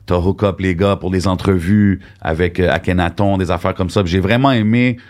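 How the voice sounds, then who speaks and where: Low-voiced co-host, easygoing. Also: male voice, fairly even intonation, brisk, a little mellow. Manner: easygoing, asks questions, mixes English. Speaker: podcast co-host. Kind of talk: casual interview chat.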